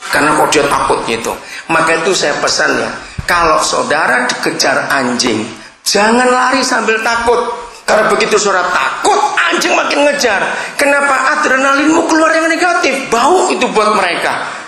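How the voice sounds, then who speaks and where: A man's voice: high voice, animated, moderate pace, vocal fry, pushed and bright. A man preaching a sermon, telling humorous stories and addressing his listeners directly. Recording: roomy echoing hall.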